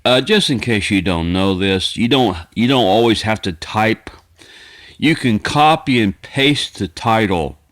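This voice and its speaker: A man, rambling casually to his viewers in a folksy, plainspoken way, often halting and circling back over his phrases. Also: fairly low pitch, lively intonation, a bit bright. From United States. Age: 50s. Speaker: video creator. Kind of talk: casual rambling vlog monologue.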